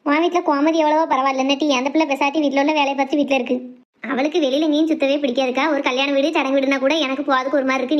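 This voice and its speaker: A woman's voice: high-pitched, dull audio, lightly acted. A woman voicing an easygoing, forgiving elderly village aunt in a cartoon, placating others in a southern Tamil Nadu accent. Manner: placating, philosophical. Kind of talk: cartoon comedy drama dialogue.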